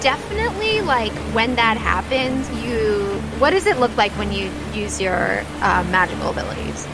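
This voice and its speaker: Over loud music, a woman runs a tabletop game with casual, made-up-on-the-spot narration, her talk full of "like". Her slightly high voice has a sing-song lilt and moves at normal speed.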